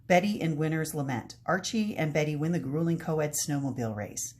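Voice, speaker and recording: Woman, low voice, relaxed comic read-aloud with chuckles. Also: fairly quick. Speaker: comic book reader. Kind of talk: casual reading aloud of a comic book.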